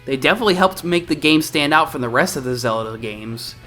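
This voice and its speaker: A man's voice: fairly high pitch, lively intonation, brisk, sharp tone, faint music behind. A man giving casual, informal video game commentary as a review host, mildly sweary.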